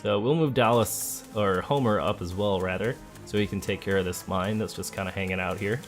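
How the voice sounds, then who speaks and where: Male let's play host, lower-pitched voice, casual and chatty, talking through moves over background music. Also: fairly quick. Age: adult, parent of a school-age child. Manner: relaxed, chatty, thinking aloud. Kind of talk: casual gameplay commentary. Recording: game music behind the voice. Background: video game music.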